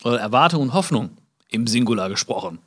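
A man giving a live motivational talk. He speaks to his listeners directly, acts out little dialogues and jumps high in pitch to stress a point. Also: animated, fast talker. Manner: many fillers and restarts, acts out small dialogues.

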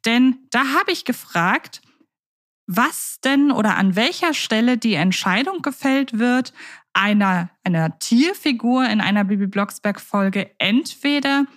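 A woman's voice: a little high, animated, measured pace, no echo. Chatty woman podcast host, dry close sound. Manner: chatty, asks questions, fillers like ähm. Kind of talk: casual podcast discussion.

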